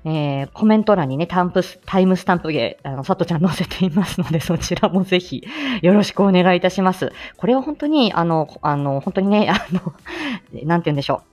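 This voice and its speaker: A woman hosts a relaxed live stream. She talks casually, laughs often, and fills gaps with many fillers. Her pitch swings in a lively way, and faint music sits underneath. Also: fast talker. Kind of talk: casual chat.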